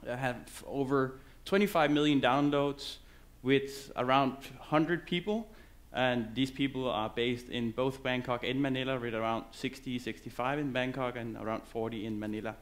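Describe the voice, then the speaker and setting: Male conference speaker, English, loose and halting on stage. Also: mid-range voice. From Denmark. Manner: loose, halting delivery with many fillers and restarts. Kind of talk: conference presentation.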